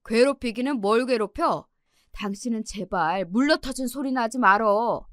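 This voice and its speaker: A woman voicing a gruff, hot-tempered middle-aged father who scolds sternly. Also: fairly high pitch, moderate pace, fairly bright tone, no echo, clean studio sound, lightly acted. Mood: stern scolding.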